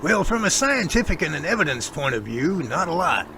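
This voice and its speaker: A man playing an earnest, self-assured Bigfoot investigator in an audio drama, explaining things in measured, speech-like lines. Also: fairly high pitch, big pitch swings, creaky, background noise. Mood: earnest, reassuring. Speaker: actor in a Sasquatch audio drama. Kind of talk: amateur audio drama dialogue.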